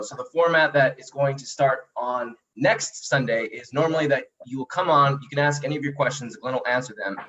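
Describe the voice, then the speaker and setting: A man's voice: mid-range voice, fairly bright tone, rough recording. A man working as the show's assistant, making casual, upbeat announcements on a live stream. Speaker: show assistant.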